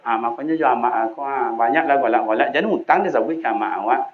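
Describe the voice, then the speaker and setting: A man preaching a sermon in a mosque with a Minangkabau accent, swinging between loud high calls and low quiet asides. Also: quick pace, narrow, tinny audio, slight background noise.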